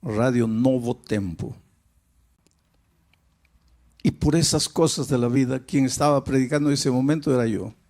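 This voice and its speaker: Slow, emphatic male preacher. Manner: emphatic, swells in pitch and drops to a hush. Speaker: pastor. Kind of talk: sermon.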